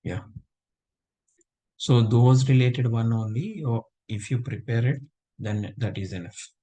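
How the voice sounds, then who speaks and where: A man's voice: mid-range voice, a little slow, mellow, breathy edge, low-quality recording. A man teaching a live online class, feeling unwell and checking in with students often. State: unwell, low voice. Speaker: instructor.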